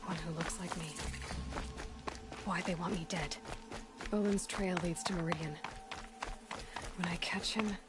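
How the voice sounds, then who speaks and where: A woman playing a young tribal hunter in a video game speaks in a fairly low voice. She is guarded, dry and determined, clipping her words short. Music plays loudly beneath her. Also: fairly even intonation, measured pace, long pauses, natural voice. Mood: brooding, resolute. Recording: loud music bed under the voice.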